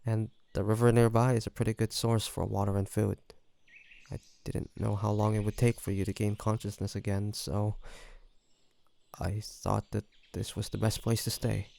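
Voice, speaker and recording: A man playing a gentle, remorseful vampire in an intimate audio roleplay, speaking hesitantly and earnestly with many pauses. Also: lowish voice, flat delivery, gravelly, a little hiss or hum. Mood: quiet, explaining. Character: remorseful, gentle male vampire tending his wounded victim.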